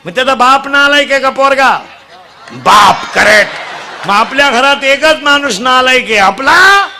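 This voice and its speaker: A man leading a comic devotional kirtan, teasing the crowd and quizzing children, urging them to answer loudly. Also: very high-pitched, a little slow. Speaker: kirtan preacher. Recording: live crowd with faint noise.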